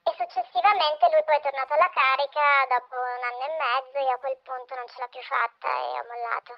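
Woman guest on a phone line, voice disguised by a pitch shifter, sits high and sounds muffled; steady, pausing storyteller. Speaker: freelance journalist guest. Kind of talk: phone interview on radio. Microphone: telephone.

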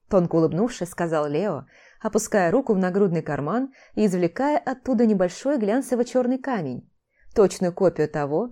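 A woman narrating a first-person fantasy audiobook in a measured, calm reading. Her voice sits in a middling range and sounds warm and mellow rather than bright. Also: mid-range voice.

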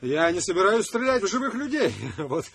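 A man's voice: high voice, sing-song, moderate pace, breathy edge, full character voice. An actor in a radio play playing a defiant, sardonic man, theatrical and mocking. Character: defiant, sardonic man at war with talking gadgets. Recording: loud noise and ambience behind.

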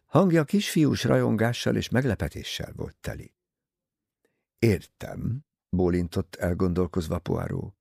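A man narrating a novel as an audiobook, reading in a lively, expressive way. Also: fairly low pitch, vocal fry, breathy edge, dry recording, studio quality.

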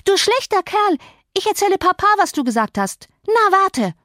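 A woman voicing a spoiled, imperious young girl who is quick to tears, in an audiobook. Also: sing-song, dry recording, studio quality. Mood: indignant. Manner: bossy, shrill, indignant.

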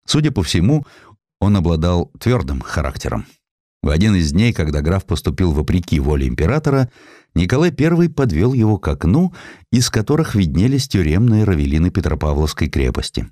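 A man narrating a historical literary audiobook in a measured, expressive, dramatic storytelling manner. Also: deep voice, dry recording, clean studio sound.

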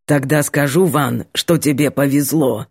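A gruff, sly male cook, put on by a woman reading a storybook. He speaks low and husky, with a grumbling, knowing tone. The sound is dry and close. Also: steady tone, measured pace, a little mellow, dry recording, heavily acted. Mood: wry. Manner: grumbling, then wry.

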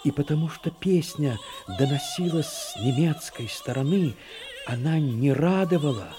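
Mellow male war-story narrator. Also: medium pitch.

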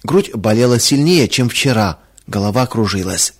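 A man narrating a Christian children's story in a calm, measured way. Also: medium pitch, slightly rough.

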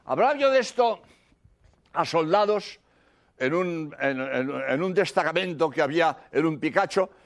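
A priest preaches in a high, strongly rising and falling voice. He repeats his points with earnest insistence and sinks to a soft murmur when he recites prayers. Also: lively intonation, moderate pace. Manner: earnest, repetitive, drops to a hushed murmur for prayers. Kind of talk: sermon.

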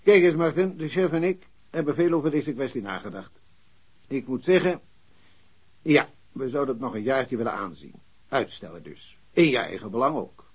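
Husky, formal police chief, lively intonation. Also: male voice, medium pitch, moderate pace, dull audio. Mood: awkwardly critical. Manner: formal, hesitant, patronizing. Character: senior police chief, awkwardly breaking bad news to subordinate. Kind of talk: radio drama acting.

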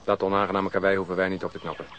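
A dutiful, dour police officer from a radio play. He speaks briskly in a fairly low voice. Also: level tone, fairly bright tone, a little hiss or hum. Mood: grim, resigned. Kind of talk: radio drama acting.

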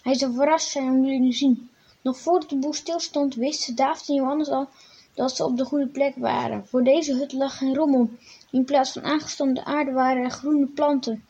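A woman reads a children's Bible story aloud in a plain storytelling voice, then speaks directly to the young listeners. Her voice sits high. The recording sounds dull and lo-fi. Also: steady tone, moderate pace, dark tone.

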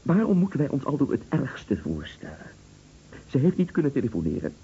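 A man's voice: medium pitch, huge pitch swings, fairly quick, mellow, breathy edge, exaggerated voice. An actor playing an earnest, anxious friend in a Dutch radio play, stammering as he reasons and tries to reassure. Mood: anxious, reassuring. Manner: hesitant, stammering, pleading reassurance. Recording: dull, noisy old radio recording.

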